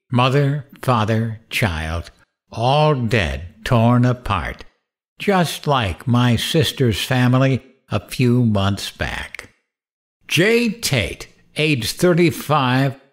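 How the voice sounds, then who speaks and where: A man playing a mad, grieving radio host out for revenge in an audio drama, taunting in a theatrical, deliberate way. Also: medium pitch. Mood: bitter, grieving. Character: mad, vengeful, grieving male late-night radio host. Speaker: radio show host character.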